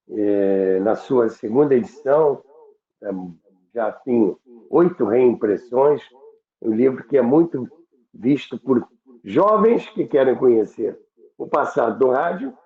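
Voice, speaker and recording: A Brazilian man hosts a show, addressing viewers in a courteous, unscripted way. His speech is slow and measured. The sound is roomy and thin, like a phone line. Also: medium pitch. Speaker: radio history show host.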